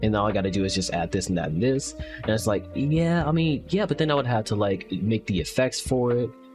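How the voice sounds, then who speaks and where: Music plays in the background as a man speaks at a fairly quick pace. His fairly low pitch makes very wide swings. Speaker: college student. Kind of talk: casual vlog talk to camera.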